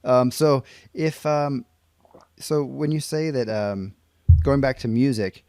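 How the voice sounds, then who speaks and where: A man's voice: mid-range voice, slow, darkish tone, no room sound. A man with an American accent hosting a podcast interview, asking casual questions and recapping the answers, with frequent fillers. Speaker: podcast host.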